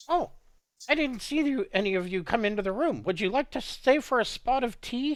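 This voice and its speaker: A man puts on a character voice at an extremely high pitch, talking at a fairly quick pace. The recording is very clean, with a silent background. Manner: polite, inviting.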